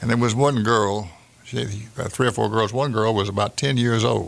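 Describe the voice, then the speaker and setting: Speaking at a fairly slow pace, a man with a Mississippi accent uses ordinary pitch variation. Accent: Southern US, Mississippi. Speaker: WW2 veteran. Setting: studio. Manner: unhurried, folksy and wry, chuckling as he tells the wine-car anecdote.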